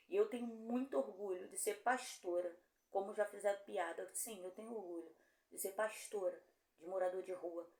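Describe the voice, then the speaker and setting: A middle-aged Brazilian woman pastor, preaching a sermon and telling a story, acting out the voices of the people in it. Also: a little mellow. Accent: Brazilian Portuguese. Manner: storytelling, acts out dialogue with rising pitch. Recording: echoey room.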